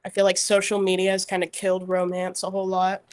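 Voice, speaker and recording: Young woman in her 20s chatting easy, mid pitch, lots of "like"s. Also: monotone, fast, darkish tone. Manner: easygoing, filler-heavy with "like" and "I feel like". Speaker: guest. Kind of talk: casual interview chat.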